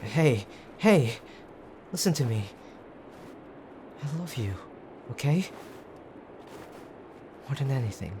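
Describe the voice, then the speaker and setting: A man playing a gruff, teasing tsundere boyfriend who is frightened and tender underneath, in an intimate audio drama with brusque, halting urgency. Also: medium pitch, expressive. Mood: pleading. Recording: clear background ambient noise.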